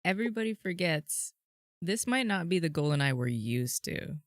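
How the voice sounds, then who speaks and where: A woman in her late twenties, a podcast co-host, teasing and quick to laugh. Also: on the low side, very animated, a little hiss or hum. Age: 20s. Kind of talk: casual podcast chat.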